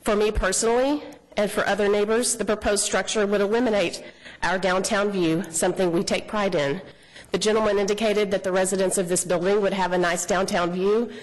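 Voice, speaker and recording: A man's voice: sits high, steady tone, normal speed, rough recording. A man, giving a formal, earnest prepared comment at a city council podium microphone, his voice slightly shaky. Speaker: public commenter, neighborhood resident.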